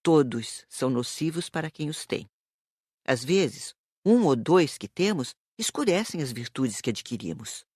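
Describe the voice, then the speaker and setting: Measured, woman-acted female instructor, dry studio sound. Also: deep voice, big pitch swings, darkish tone, husky, no room sound, heavily acted. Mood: instructive. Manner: didactic, measured. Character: calm, serious female spirit instructor teaching a class. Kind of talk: audiobook dialogue.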